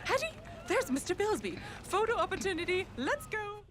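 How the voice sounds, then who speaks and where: Brassy high pitched lady boss for kids radio drama, super animated, gleeful, noisy worksite behind. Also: moderate pace. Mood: gleeful, excited. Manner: theatrical, breezy, bossy. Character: brash demolition company manager, gleeful about wrecking. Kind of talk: children's radio drama acting. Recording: noisy demolition site sound effects. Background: machinery and demolition sound effects.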